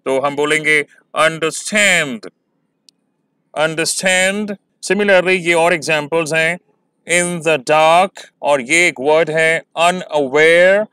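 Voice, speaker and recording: A man teaching exam-prep poetry lessons, talking slowly and stretching words to show syllable stress. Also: fairly high pitch, bright, forceful tone, clean tone, dry recording, clean studio sound.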